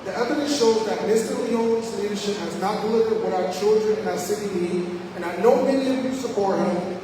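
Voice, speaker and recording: A man giving a measured, formal public comment at a school board meeting. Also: sits high. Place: large meeting hall. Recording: echoey hall from far off, noisy.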